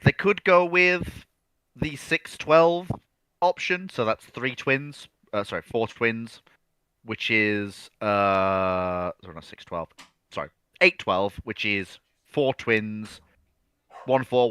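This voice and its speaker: A man's voice: on the low side, slow, bright, forceful tone, clear, resonant tone, no room sound. A man co-hosting an unscripted question-and-answer chat, opinionated and emphatic, thinking aloud and correcting himself as he goes. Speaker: co-host of a naval history livestream.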